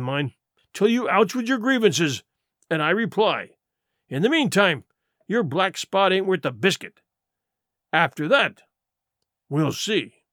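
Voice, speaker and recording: A man performs a wily pirate sea cook from an adventure storybook. His voice rides high and swings widely in pitch, heavy with sarcasm and scorn. He argues in rustic nautical dialect, captured close and dry. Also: bright, forceful tone, dry recording, heavily acted. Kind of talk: audiobook character acting.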